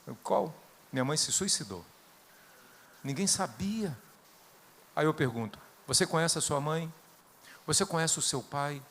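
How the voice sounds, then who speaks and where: A middle-aged Brazilian man with a Brazilian Portuguese accent, preaching a sermon built on personal stories, rising to loud bursts and dropping to hushed tones. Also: on the high side, expressive, measured pace, pauses often, a little hiss or hum. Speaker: guest preacher.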